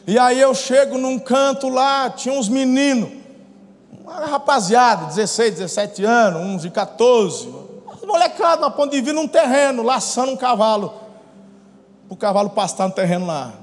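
A man with a Brazilian Portuguese accent, a pastor telling lively stories in a sermon, acting out scenes with shouts and laughter. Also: very high-pitched, normal speed. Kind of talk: storytelling sermon. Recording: long hall reverb, faint noise.

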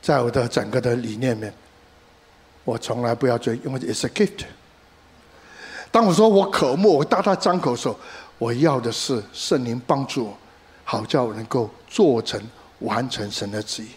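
Animated male pastor preaching. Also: medium pitch, moderate pace. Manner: code-switches with English words, animated emphasis, storytelling asides. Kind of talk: sermon.

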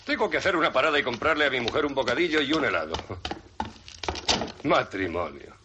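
Casting: man voicing a chatty poker pal, lively pitch, hissy film track. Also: fairly quick, muffled recording, lightly acted. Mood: wry. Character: easygoing married poker buddy. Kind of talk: film dubbing.

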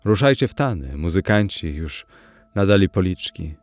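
A man's voice: low-pitched, lively intonation, normal speed, soft background music. A man voicing a hearty, jovial older village headman in a storybook reading.

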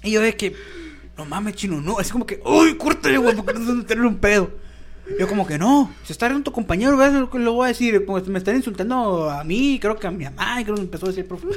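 A young man with a Mexican accent chats on a casual podcast, racing through his anecdotes. His voice sits fairly high, and he acts out every quoted line in a slangy, animated way. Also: a little hiss or hum. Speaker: podcast co-host. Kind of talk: casual chat, storytelling.

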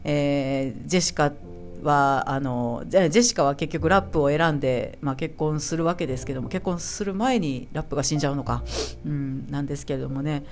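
A woman's voice: deep voice, a little fast, faint music behind. A woman with a Kansai accent hosting a solo chat podcast about anime, chatty and laughing often as she acts out the characters' lines. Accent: Kansai Japanese. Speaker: podcast host.

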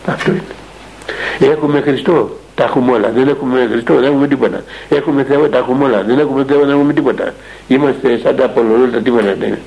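Gravelly-voiced older monk telling a story. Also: male voice, medium pitch, a little mellow, low-quality recording. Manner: rambling, earnest, with many fillers and restarts. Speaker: monastic elder and spiritual father. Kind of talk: storytelling in a radio interview.

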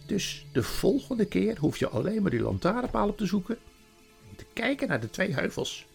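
A man putting on the White Witch, high and honeyed. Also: sing-song, creaky, faint music behind, full character voice. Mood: coaxing. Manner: honeyed, wheedling, drawn-out singsong. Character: coaxing, scheming White Witch queen, woman.

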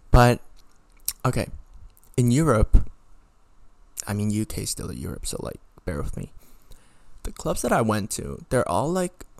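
A man's voice: on the low side, huge pitch swings, a little slow, vocal fry, pauses often, no echo. A young man from Hong Kong vlogging his opinions in a casual, rambling way, bluntly swearing and often rephrasing himself. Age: young adult.

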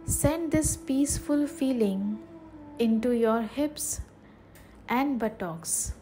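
A woman leading a guided meditation in a soothing, measured way, leaving long pauses between short phrases. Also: on the high side, dark tone, faint music behind, rough recording.

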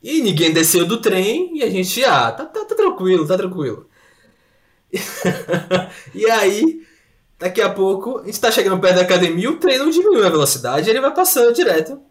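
A man spins casual anecdotes with animated energy. His voice sits slightly high for a man, and he laughs his way through the awkward bits. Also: moderate pace. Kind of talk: casual storytelling chat.

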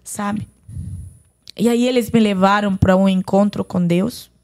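Woman with a gravelly voice. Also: mid-range voice, steady tone, a little slow, a little mellow. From Lebanon. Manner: earnest storytelling, retelling dialogue. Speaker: podcast guest. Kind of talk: personal faith testimony.

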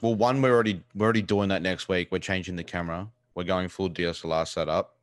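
Casting: male Australian streamer, deep voice, casual and blunt with loose swearing, recorded dry indoors. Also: steady tone, fast, dry recording. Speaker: live streamer, interview guest. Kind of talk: casual chat. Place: living room.

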